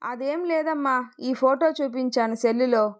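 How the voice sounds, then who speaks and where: A woman's voice: high-pitched, moderate pace, close to an everyday voice. Woman reading an evasive young husband, pleading, storybook voice. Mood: defensive. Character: young husband, defensive and self-excusing.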